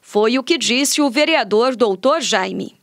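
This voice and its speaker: A woman presenting the news on a municipal radio station, reading her script in a measured, deliberate way from a small studio. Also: on the high side, lively intonation, dry recording. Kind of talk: read news report. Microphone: studio microphone on arm.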